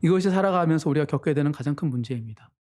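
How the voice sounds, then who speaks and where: A man's voice: animated, racing, darkish tone. A man preaching a Sunday sermon as pastor, in an earnest manner. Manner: earnest preaching, voices quoted family members with sudden pitch jumps.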